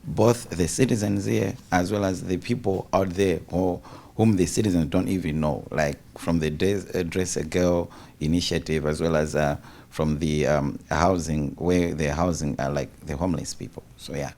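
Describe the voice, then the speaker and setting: Very low, creaky man. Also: steady tone, normal speed, few pauses, darkish tone. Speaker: fellowship participant. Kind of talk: spontaneous remarks in a group discussion.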